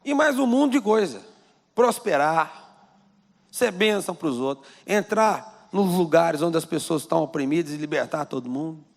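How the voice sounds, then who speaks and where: Gravelly Brazilian pastor preaching in a church. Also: male voice, fairly high pitch, lively intonation, normal speed. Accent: Brazilian Portuguese. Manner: conversational preaching with rhetorical questions. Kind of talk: sermon. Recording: long church-hall reverb.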